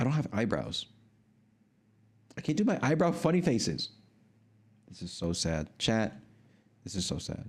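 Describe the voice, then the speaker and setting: Loud and medium-pitched, a man speaks with vocal fry and very wide pitch swings. His moderate pace is broken by long, frequent pauses. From UK. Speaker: vtuber streamer. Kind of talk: casual live stream chat. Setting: live stream. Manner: halting.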